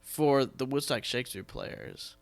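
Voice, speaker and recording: A man's voice: medium pitch, a little slow. An American man hosting a casual interview, telling stories in an emphatic way. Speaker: podcast host, theatre director.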